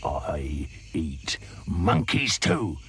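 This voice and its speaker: A man voicing an enormous, greedy, boastful male crocodile in a slow, sly, gloating drawl. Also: a bass voice, big pitch swings, fairly bright tone, a little hiss or hum, voice pushed down, exaggerated voice. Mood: menacing.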